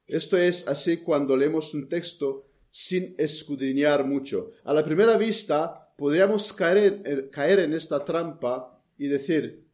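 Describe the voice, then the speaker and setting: A man preaching a sermon in an earnest tone, reading scripture aloud and pausing to explain it. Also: fairly high pitch, a little mellow. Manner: earnest, reads scripture aloud with pauses and restarts.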